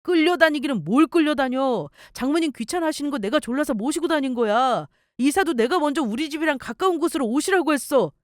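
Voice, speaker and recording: A frustrated young husband argues back at his mother, defensive and exasperated, as a woman reading a story radio drama puts him on. The voice is lively in its pitch. The sound is dry and close to the mic. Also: brisk, hardly any pauses, no echo.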